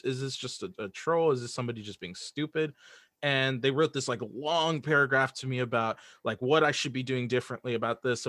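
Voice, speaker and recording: A man's voice: medium pitch, no room sound. Stammering man in casual, dry-sounding conversation. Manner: animated, stammering, often restarts phrases. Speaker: audio drama creator and writer, interview guest.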